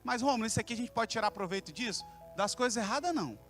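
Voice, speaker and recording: A man's voice: high voice, expressive, rapid-fire, a bit bright, soft background music. A man preaching with a Brazilian Portuguese accent in a church service, telling stories in a colloquial, humorous way. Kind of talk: sermon.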